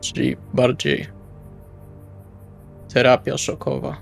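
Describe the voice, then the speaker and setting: A man's voice: mid-range voice, little pitch movement, takes it slowly, gravelly. A man playing a tabletop role-playing game, improvising dialogue in a casual, wry, colloquial way. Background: music.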